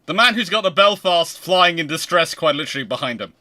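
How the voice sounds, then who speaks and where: A man's voice: a little high, lively intonation, fairly quick, sharp tone. A man hosting a casual history livestream, talking in an effusive, rambling way. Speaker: host of a naval history livestream.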